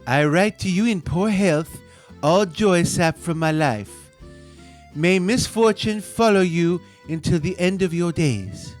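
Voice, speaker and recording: Man doing a bitter, heartbroken old Frenchman in a hammy put-on French accent, pitched up and loud, faint music underneath. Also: slow. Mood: bitter, longing. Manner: dramatic, pleading letter reading.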